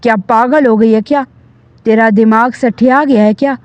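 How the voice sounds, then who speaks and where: A woman's voice: fairly high pitch, steady tone, darkish tone, smooth, no room sound, muffled recording, lightly acted. Woman reading as a scornful, scolding mother. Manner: scolding, harsh. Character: scornful middle-aged mother, sharp-tongued.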